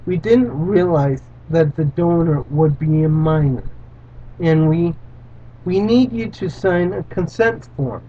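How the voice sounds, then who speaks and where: A man reading the lines of an old gray-haired male doctor, urgent and pleading, in a halting read-aloud way. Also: fairly high pitch, expressive, warm tone. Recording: dull lo-fi recording.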